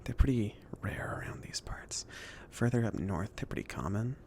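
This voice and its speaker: A man acts out a laid-back, considerate mage in a cozy ASMR fantasy roleplay. The voice is mostly a whisper, with a crackly fry whenever it surfaces into low speech. The delivery is casual, a little hesitant and gently reassuring. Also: normal speed, natural voice. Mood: calm, explaining. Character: chill, considerate mage sending an apprentice on errands.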